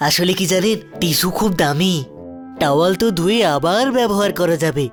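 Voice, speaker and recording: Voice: medium pitch, expressive, fairly quick, faint music behind, lightly acted. An actor voicing a polite cartoon animal sidekick who explains things in a deferential, reasoning way. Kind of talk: cartoon dub acting.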